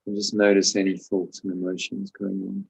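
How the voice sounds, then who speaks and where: A man leading a guided meditation as a spiritual teacher, giving calm, measured instructions with pauses. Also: low voice, creaky, husky, poor audio.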